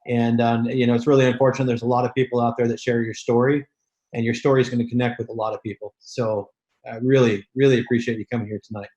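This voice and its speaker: A man hosting a video call, welcoming a guest in a steady, reassuring way. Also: medium pitch, fast, highs cut off. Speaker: host.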